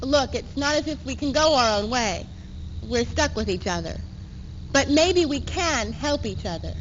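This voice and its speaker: A dull old 1970s tape with faint noise holds a fairly high female voice of a reader acting. She is a fervent, idealistic woman, declaiming emphatically in readers theater style. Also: lively intonation, moderate pace. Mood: troubled. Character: fervent, idealistic woman, one self of divided woman.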